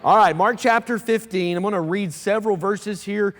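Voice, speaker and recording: A man preaching a sermon as pastor, talking fast and conversationally with asides to the congregation. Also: high voice, a bit bright. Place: church sanctuary. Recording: long church hall reverb.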